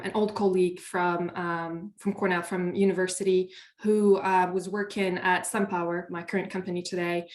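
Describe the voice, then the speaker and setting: Flat-voiced young woman from Morocco. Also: mid-range voice. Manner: measured, many um pauses. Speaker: panel speaker, solar developer. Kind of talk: panel talk over a video call. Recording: echoey room.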